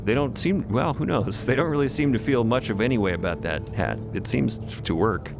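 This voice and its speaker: A man narrating audio fiction in a wry, deliberate, semi-improvised storytelling manner. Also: mid-range voice, lively intonation, vocal fry, music in the background.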